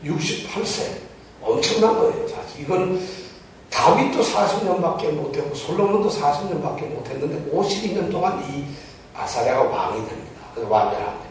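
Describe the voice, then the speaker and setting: A man's voice: a little high, expressive, normal speed, a little hiss or hum. A man preaching a Bible teaching sermon in a church, often putting questions to the congregation. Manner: poses rhetorical questions to the congregation. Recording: very echoey church hall, mic far off.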